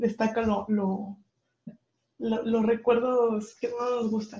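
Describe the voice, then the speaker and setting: A woman speaks at a very slow pace, fairly high in pitch, with monotone, flat intonation. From Reynosa, Tamaulipas, Mexico. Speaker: podcast co-host. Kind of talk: casual chat.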